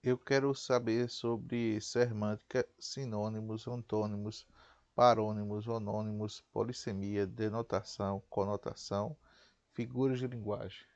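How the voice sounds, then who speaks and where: A man from Brazil asking about topics by reading them out one by one in a flat, deliberate way, on a dull, dry recording. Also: fairly low pitch, dry recording. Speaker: student asking questions.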